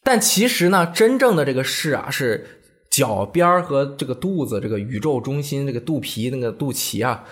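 A man's voice: medium pitch, moderate pace. A man in his thirties from Hebei, China, co-hosting a casual chat podcast and telling stories with acted-out voices. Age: 30s. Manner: animated storyteller, acts out quoted voices. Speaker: podcast co-host.

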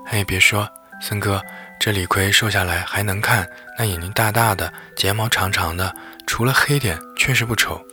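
A man voicing a nosy, grinning high-school boy who gossips in a teasing way. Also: normal speed, hardly any pauses, sharp tone, faint music behind. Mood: gossipy.

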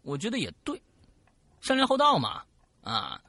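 A man hosting a talk show, retelling a listener's story in an animated way with casual swearing. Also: high voice, moderate pace, dry recording. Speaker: host reading a listener's story.

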